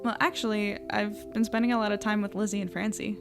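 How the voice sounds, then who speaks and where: A woman's voice: mid-range voice, flat delivery, quick pace, vocal fry, over music, natural voice. An actress playing a guarded young woman in a naturalistic audio drama, hesitant and understated. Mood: hesitant, casual. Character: guarded young woman, new in town, independent.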